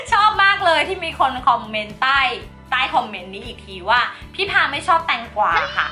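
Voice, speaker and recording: Bubbly high-pitched woman, giggly and animated. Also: normal speed, soft background music. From Thailand. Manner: chatty, giggly, playful. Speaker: slime channel host. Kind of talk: casual chat vlog.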